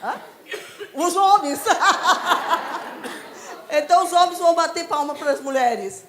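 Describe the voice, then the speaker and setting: A woman with a high voice leads a children's ministry training, speaking slowly and deliberately. She tells stories with lively acted-out voices and has her group repeat lines after her. A faint hum of room noise sits behind her. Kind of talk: teaching a church training session.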